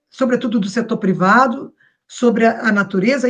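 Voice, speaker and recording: Using a normal speaking voice, a woman talks with lively intonation at a fairly high pitch and a moderate pace. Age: 60s. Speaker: environmental researcher and activist. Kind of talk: interview.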